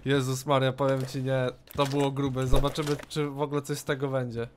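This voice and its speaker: A man hosting a gaming channel, chatting casually with a friend while playing, excitable, jokey and swearing a lot. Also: medium pitch, a little fast. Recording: loud background noise over voice chat.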